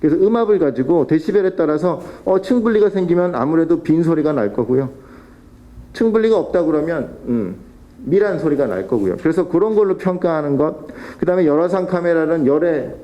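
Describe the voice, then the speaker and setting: Man, technical presentation, explanatory, halting restarts, dull lo-fi recording. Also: on the high side, warm tone. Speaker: presenter at a policy forum. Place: council hall.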